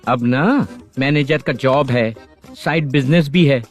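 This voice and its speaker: A man's voice: medium pitch, takes it slowly, soft background music, close to an everyday voice. A man dubbing an irritable son-in-law in a film, grumbling and sarcastic.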